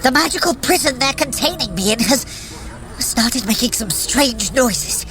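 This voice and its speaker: A woman's voice: fairly high pitch, animated, unhurried. A woman playing a smug, boastful trickster sorcerer who coaches a runner in an audio drama, theatrical and wry, taunting mortals. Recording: loud music under the voice. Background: music.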